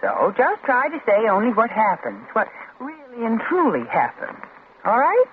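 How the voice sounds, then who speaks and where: A woman's voice: a little high, big pitch swings, normal speed. An actress playing a young mother in a 1950s radio drama, who stammers when worried. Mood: scolding gently. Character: anxious young mother, growing frantic. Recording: tinny old radio broadcast with hiss.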